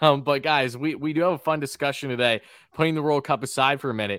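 A man speaks in an ordinary speaking voice, fairly high-pitched with ordinary pitch variation, recorded dry and close with no echo, very clean against a silent background. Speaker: podcast host. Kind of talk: casual sports podcast discussion.

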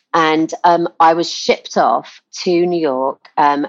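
This woman has an English accent. Her pitch sits fairly low. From England, raised partly in Asia. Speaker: TV showrunner and producer. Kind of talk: casual interview. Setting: remote call.

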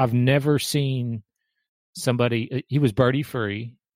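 Recorded very cleanly against a silent background, with a dry, close sound and no echo, a man with a Southern US accent talks at a medium pitch with fairly even intonation. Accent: country Southern US. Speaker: podcast co-host. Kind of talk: casual sports chat.

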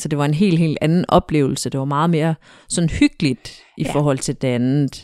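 A woman with a very deep, low pitch speaks at a moderate pace with ordinary pitch variation, recorded dry and close with no echo. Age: 30s. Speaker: guest sharing swinger club experience. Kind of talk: casual interview. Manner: halting.

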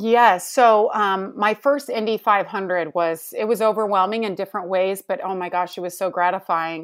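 A woman at a moderate pace with hardly any pauses and ordinary pitch variation, on a very clean recording with a silent background. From US West (Lake Tahoe, California; teens in Las Vegas). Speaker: motorsports TV reporter. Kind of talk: interview conversation.

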